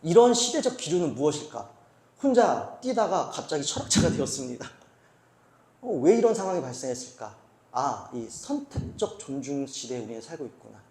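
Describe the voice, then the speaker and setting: A man's voice: on the high side, big pitch swings, brisk, a little mellow. A male senior pastor preaching at a church retreat, telling stories and asking the congregation rhetorical questions. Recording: roomy hall echo.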